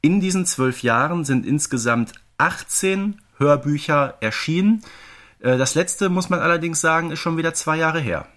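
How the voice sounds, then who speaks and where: A man's voice: on the high side, expressive, normal speed, fairly bright tone. Conversational man co-hosting a podcast. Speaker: podcast co-host.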